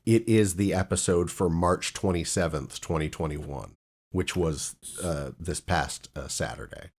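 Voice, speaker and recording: A man's voice: low voice, unhurried, a little mellow. A man hosting a casual podcast chat, loose and joking, with lots of fillers and restarts. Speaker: podcast host.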